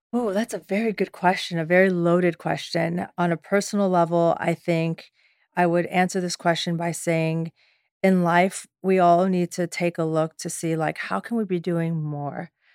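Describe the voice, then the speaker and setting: In a very clean recording with a silent background, a woman with an American accent speaks at a moderate pace in a fairly low, monotone, flat voice, the sound dry and close with no echo. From US, raised there after leaving Afghanistan young. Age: 40s. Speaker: wellness company co-founder and executive. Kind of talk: interview.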